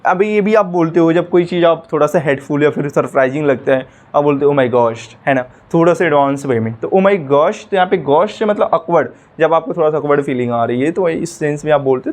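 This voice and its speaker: Young male vocab teacher, high-pitched, patient and repetitive, exam-prep lesson. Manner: explains word by word, repeats terms, frequent "ठीक है" and "guys".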